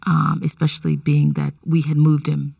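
A woman from Florida with an American accent, a studio guest telling her life story in a relaxed, storytelling way. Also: deep voice, moderate pace, gravelly, husky, no room sound, recorded from a distance. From Florida, United States. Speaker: interview guest. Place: radio studio.

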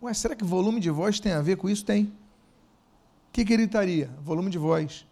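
A man with a high voice preaches a sermon. He questions the congregation often and swings between quiet, slowed emphasis and sudden loud bursts.

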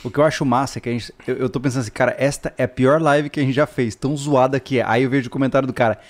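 A man's voice: medium pitch, fairly even intonation, racing. A man with a Brazilian accent, joking and slangy in casual live stream banter as a host.

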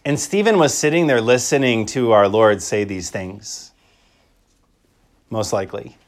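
A man's voice: lowish voice, measured pace. This is a man in the role of a Catholic priest, delivering liturgical reading and preaching. His manner is reflective. He often repeats a phrase to give it emphasis. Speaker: Catholic priest giving a homily. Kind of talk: liturgical Gospel reading and homily.

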